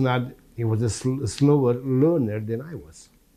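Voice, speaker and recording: A man speaks at a fairly slow pace with fairly even intonation. His medium-pitched voice has a dark, mellow tone. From Czechoslovakia (Subcarpathian region). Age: 70s. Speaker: Holocaust survivor. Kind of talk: testimony. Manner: halting, many fillers and restarts.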